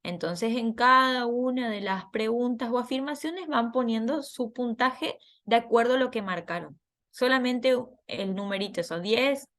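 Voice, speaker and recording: Woman teacher on a video call, patient, kinda high voice, laughs at herself. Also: fairly bright tone. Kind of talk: online class instruction.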